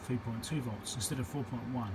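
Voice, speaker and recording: A man giving a hands-on electronics repair demonstration, thinking aloud in an informal, halting, step-by-step way. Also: medium pitch, creaky. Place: indoor repair workbench. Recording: steady background hum and room noise.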